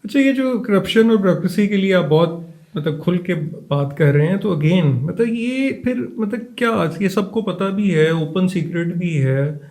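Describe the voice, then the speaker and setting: A man's voice: sits high, animated, a little mellow. A man hosting a business podcast, asking questions in a hesitant, searching way with fillers. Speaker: podcast host. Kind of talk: interview questions.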